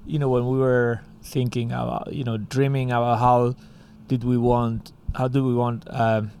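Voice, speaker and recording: A man from Spain, co-founder of a music school, chats casually in an interview with a Spanish accent, rambling and leaning heavily on "like" and "you know". His medium-pitched voice is creaky and a little mellow, level in tone, at normal speed. A slight hiss or hum runs underneath.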